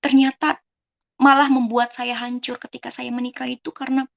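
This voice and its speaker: A woman's voice: sits high, little pitch movement, normal speed, vocal fry, fairly bright tone, dull audio. A young woman from Indonesia giving a personal testimony in a conversational way, replaying quoted dialogue and often turning to her listeners as friends. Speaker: testimony speaker.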